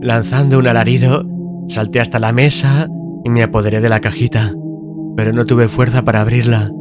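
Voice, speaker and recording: A man reads a gothic horror audiobook in a solemn, dramatic manner, phrasing deliberately with pauses. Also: mid-range voice, level tone. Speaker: audiobook narrator. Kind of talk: dramatic scripted narration of a gothic horror tale. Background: music.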